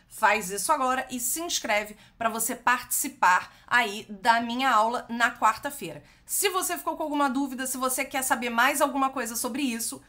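A woman with a Brazilian Portuguese accent teaching an online French lesson, affectionate with her viewers and repeating each word slowly to model pronunciation. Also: a little high, pushed and bright.

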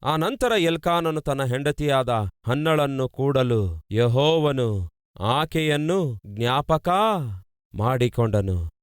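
Emphatic preaching man, smooth clear voice. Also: animated, takes it slowly, no echo, clean studio sound. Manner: preaching with dramatic swings in pitch and pace, repeating phrases. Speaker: pastor. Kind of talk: sermon.

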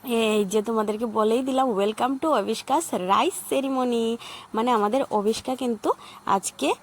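A woman, hoarse from a cold, giving a chatty voice-over for her family vlog with many hesitant fillers. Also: fairly high pitch, measured pace. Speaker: family vlogger.

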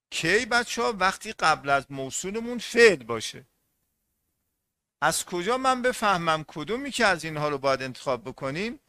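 A man's voice: sits high, sharp tone. A man teaching English grammar in an online class, speaking on English words, often repeating points and asking the class questions.

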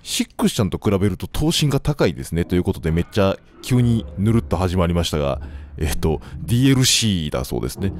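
Young Kansai man, low voice with wide swings, casual let's-play chatter. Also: big pitch swings, fast. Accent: Kansai Japanese. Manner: joking, talks to the game characters, sudden shouts. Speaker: gameplay commentator. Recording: faint game music behind.

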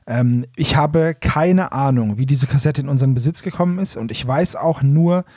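A man hosts a podcast in a casual, conversational style. His mid-pitched voice has a husky edge, and the recording is close and dry. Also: a little mellow, no room sound. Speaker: podcast host.

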